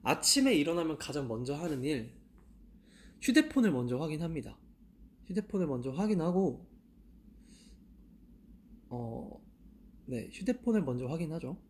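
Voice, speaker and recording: A man's voice: fairly high pitch, sing-song, moderate pace, pauses often, a little hiss or hum. Young guy rambling on a live stream, bouncy voice that jumps all over, laughs a lot. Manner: chatty, self-questioning, laughs often. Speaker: idol live-stream host. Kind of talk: casual live-stream chat. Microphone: handheld mic.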